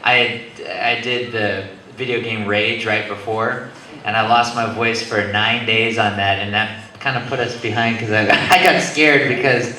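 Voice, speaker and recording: A man's voice: lowish voice, fairly even intonation, moderate pace, bright, forceful tone. A man, a voice actor, joking and laughing as he talks on a convention panel. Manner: joking, laughing while talking. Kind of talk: casual panel talk. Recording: echoey convention hall from far off. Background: hall ambience noise.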